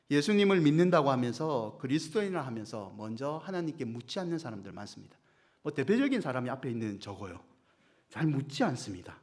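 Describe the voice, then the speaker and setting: A male senior pastor preaching a sermon, swinging between soft asides and rising emphasis as he tells stories. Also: on the high side. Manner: preaching with dramatic swings, acting out a story.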